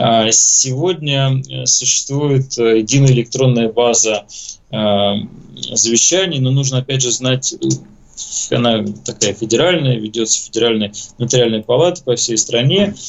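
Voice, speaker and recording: Speaking at a fairly slow pace, a man leaves long, frequent pauses. His medium pitch shows ordinary variation, and his loudness stays very even. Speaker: lawyer. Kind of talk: expert advice on call-in radio show. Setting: remote connection to studio. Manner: formal.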